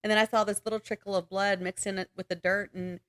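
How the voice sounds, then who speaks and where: A woman podcast co-host talks casually, as if catching up with a friend. Her pitch sits in a middle range for a woman, and her manner is teasing and giggly. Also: little pitch movement, fast talker.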